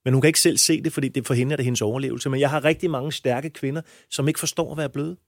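A man's voice: mid-range voice, steady tone, no echo, studio quality. A man talking as a coach in an interview, blunt and emphatic, with frequent crude language. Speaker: men's coach. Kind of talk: interview answers.

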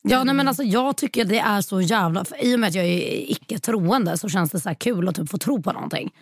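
A woman's voice: medium pitch, animated, no echo, clean studio sound. Chatty swearing young-sounding woman. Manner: chatty, swears often, acts out quotes. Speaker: podcast guest. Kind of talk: casual podcast chat, storytelling.

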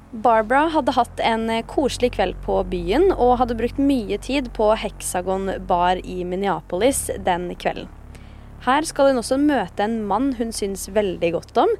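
A woman's voice: mid-range voice, darkish tone. A woman host telling a true-crime story in a conversational, semi-scripted narration. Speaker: podcast host.

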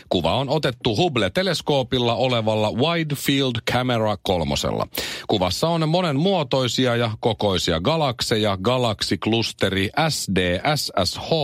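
A man in his thirties hosting a morning radio show. He reads the news and tells animated stories. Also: medium pitch, no echo, clean studio sound. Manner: animated storyteller.

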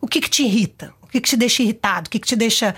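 A middle-aged Brazilian woman with a Brazilian accent, a guest on a talk show, telling stories in a lively, expressive way into a studio mic. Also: fairly high pitch, very fast, breathy edge. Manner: animated, expressive storyteller. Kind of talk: casual conversational interview. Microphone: studio microphone.

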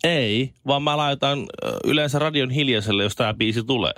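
A man's voice: medium pitch, a bit bright, dry recording. A man in his thirties co-hosting a radio show, telling chatty, playful stories in the studio. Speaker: radio co-host. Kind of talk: casual radio banter.

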